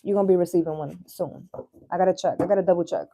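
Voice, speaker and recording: A woman's voice: on the low side, fairly even intonation, quick pace, creaky, mellow. A woman in her thirties talking as a tarot reader on a livestream, in a chatty, slangy, casual way that takes in some swearing. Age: 30s. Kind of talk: casual live chat and tarot reading.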